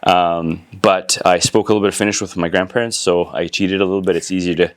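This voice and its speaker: Deep-voiced Canadian man, relaxed interview guest. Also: quick pace. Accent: Canadian English. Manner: relaxed, thoughtful, many fillers and restarts. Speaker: guest entrepreneur. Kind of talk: casual interview conversation.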